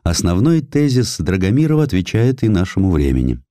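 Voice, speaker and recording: A man reading a historical essay as an audiobook narrator, measured and declamatory, with deliberate pauses. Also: deep voice, sing-song, warm tone, dry recording, studio quality.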